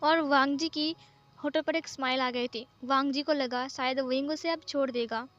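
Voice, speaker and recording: A woman narrating a fan-fiction story in a plain, steady retelling. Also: high-pitched, normal speed, highs cut off, faint music behind.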